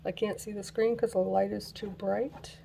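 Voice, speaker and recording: Gravelly-voiced woman losing her voice. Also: mid-range voice, level tone, normal speed, mellow, slight background noise. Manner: laughs at her own mishaps, talks while working. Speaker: craft channel host. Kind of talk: casual craft tutorial chat.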